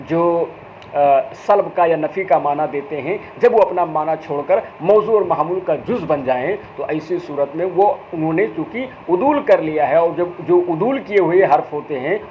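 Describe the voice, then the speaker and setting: South Asian Urdu-accented man teaching logic. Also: fairly high pitch. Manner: repeats terms and asks rhetorical questions to the viewers. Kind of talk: recorded online lesson. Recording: slightly dull, faint background noise.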